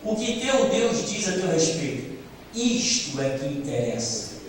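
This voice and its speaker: A man's voice: fairly high pitch, big pitch swings, unhurried, a little hiss or hum. A male preacher delivering an impassioned sermon and acting out biblical dialogue. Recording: echoey hall, distant mic.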